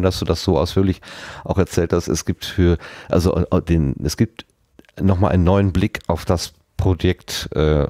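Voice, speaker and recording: A man's voice: sits low, mellow, no room sound, clean studio sound. A man casually moderating a podcast conversation as its host.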